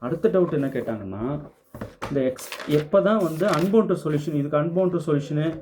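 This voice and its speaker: A man with a slightly high, darkish, expressive voice talks quickly while teaching maths in class, over slight background noise. He works through a problem methodically, step by step, and answers students' doubts. He speaks Tamil but mixes in English terms.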